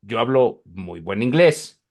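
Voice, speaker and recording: Halting Mexican male podcast host. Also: mid-range voice, lively intonation, a little mellow. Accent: Mexican Spanish. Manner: halting, repeats words. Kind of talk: casual interview.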